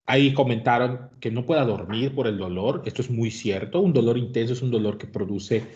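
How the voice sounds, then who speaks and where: In a muffled recording, a man with a brisk, mid-range, darkish voice gives an interactive medical lecture. He keeps quizzing his students and often calls them "jóvenes," or young people.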